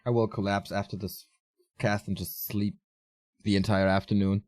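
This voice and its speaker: A man commentating a strategy game alone, casual and chatty, his voice a little raspy and tired. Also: lowish voice, level tone, normal speed, a little mellow. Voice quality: casual, chatty delivery with fillers. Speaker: esports caster.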